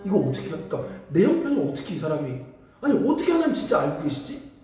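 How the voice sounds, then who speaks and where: A man's voice: on the high side, fast talker. A man preaching a sermon as pastor, telling stories and acting out voices as the congregation answers. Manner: animated storytelling, acts out voices. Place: church sanctuary. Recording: echoey church hall from far off.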